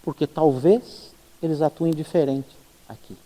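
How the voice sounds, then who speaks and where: A Brazilian-accented pastor preaches at a church service in a high-pitched voice. He is an animated, self-mocking storyteller who acts out the dialogue in his anecdotes. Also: unhurried, big-room sound. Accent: Brazilian Portuguese. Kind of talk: sermon with humorous anecdotes.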